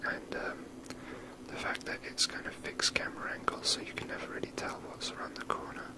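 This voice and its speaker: A person whispering rambling, unhurried ASMR commentary while playing a video game. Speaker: game streamer.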